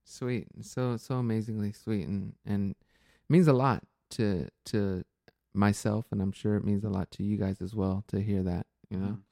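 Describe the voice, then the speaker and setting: A male podcast host with a fairly low, mellow voice. He talks earnestly and reflectively, thinking aloud with plenty of fillers and restarts. The sound is dry and close. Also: steady tone, moderate pace, gravelly, no echo. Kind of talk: casual reflective chat.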